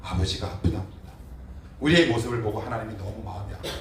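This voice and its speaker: A man preaching a sermon as pastor, animated, acting out quotes and asking the congregation questions. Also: lowish voice, fast talker, a crowd in the background. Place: church sanctuary. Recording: echoey church hall, mic at a distance.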